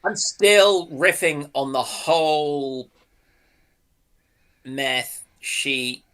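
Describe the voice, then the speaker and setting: A man, chatting casually as a panel guest in a halting, hesitant way. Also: a little high, fairly bright tone, clear, resonant tone. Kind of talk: casual chat.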